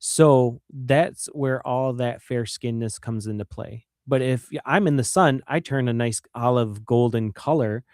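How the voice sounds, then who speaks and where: Male guest with a Michigan accent, mid-pitched and earnest, repeats himself for emphasis, dry studio sound. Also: a little slow, hardly any pauses, a little mellow, no room sound. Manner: earnest, repeats words when stressing a point. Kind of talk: earnest conversational interview.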